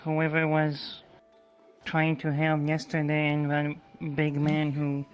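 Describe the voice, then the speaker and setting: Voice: mid-range voice, completely flat delivery, slow, faint music behind. A roleplay player acting as a troubled villager, speaking in a subdued, sparse way. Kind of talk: casual in-character roleplay chat.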